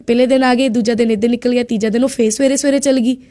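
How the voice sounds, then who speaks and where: A young woman from India, a student guest on a radio show, telling her story in a lively way and acting out what people said. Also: fairly high pitch, racing. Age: young adult. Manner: lively storyteller who acts out quoted speech. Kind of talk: casual storytelling interview.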